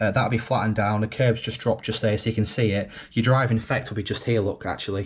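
Somewhat breathy, the voice rushes along at a very fast pace. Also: man, medium pitch for a man. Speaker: YouTube vlogger. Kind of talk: house tour walkthrough. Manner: animated; halting.

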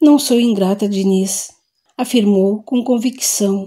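A somewhat breathy woman's voice, fairly high-pitched, with a dark, mellow tone and fairly even intonation. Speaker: audiobook narrator. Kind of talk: audiobook narration, reading a spiritist novel aloud with dialogue and drama.

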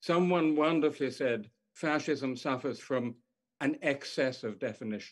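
A man with a British accent, fairly high pitch, ordinary pitch variation and a moderate pace against a quiet background. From England. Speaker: historian. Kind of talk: panel discussion. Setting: video call. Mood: thoughtful, slightly wry. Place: home room. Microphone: video call.

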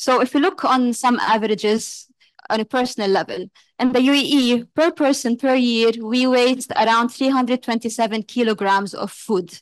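A high-pitched woman talks at a moderate pace with ordinary pitch variation, in a dry sound with no echo over a quiet background. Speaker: presenter. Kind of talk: presentation talk. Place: studio.

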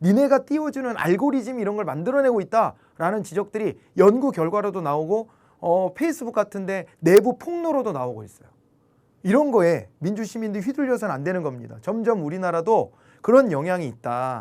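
Words come fairly quickly here. The recording is very clean and the background silent. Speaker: current affairs lecturer. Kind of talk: lecture.

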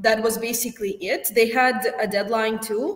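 A woman speaks at a fairly high pitch, and the room echo is audible. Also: quiet background. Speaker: university student; guest. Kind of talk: personal testimony presentation. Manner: animated, enthusiastic. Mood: friendly, animated. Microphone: webcam.

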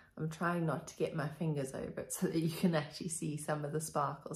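A woman speaks in a somewhat breathy voice. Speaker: beading tutor. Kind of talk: craft tutorial narration.

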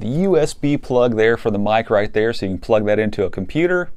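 Speech moves at a fairly quick pace with lively intonation. The tone is slightly mellow. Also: man, fairly low pitch for a man.

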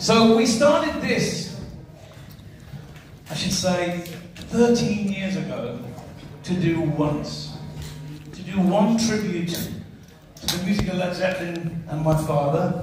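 A man speaks at a very slow pace in a high pitch. Strong room echo and noticeable background noise fill the recording. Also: ordinary pitch variation. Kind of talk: stage banter to audience. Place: hall.

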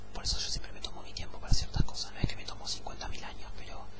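A man speaks softly at a very fast pace. Loud background noise runs behind him. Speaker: vlogger. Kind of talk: casual vlog chat. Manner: soft-spoken close-mic ASMR voice. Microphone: handheld.

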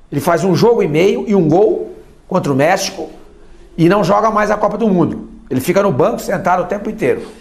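A man speaks at a high pitch with ordinary pitch variation. Room echo is audible. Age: old. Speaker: football commentator. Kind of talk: TV sports panel discussion.

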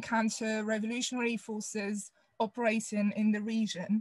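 In a dry recording with no echo and a quiet background, a woman speaks at a moderate pace in a fairly high, somewhat breathy voice with monotone, flat intonation. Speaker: event moderator. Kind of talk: panel discussion introduction. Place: home room. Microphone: webcam.

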